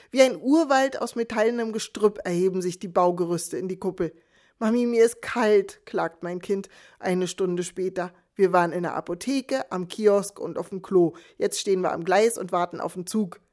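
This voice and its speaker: A woman's voice: fairly low pitch, normal speed, darkish tone. A woman in her thirties reading her own first-person story aloud in a dry, wry storytelling manner. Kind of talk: scripted first-person narration.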